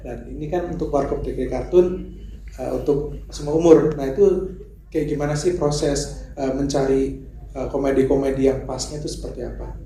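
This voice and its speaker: A man's voice: medium pitch, fairly even intonation, moderate pace, dark tone, a little hiss or hum. A male journalist asking a question at a press conference, hesitant with many fillers, in an echoey hall. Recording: echoey hall, faint ambience.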